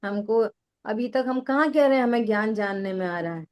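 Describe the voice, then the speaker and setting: A woman's voice: mid-range voice, moderate pace, darkish tone. A middle-aged woman teaching a spiritual discussion, answering questions patiently with everyday examples and repeated phrasing.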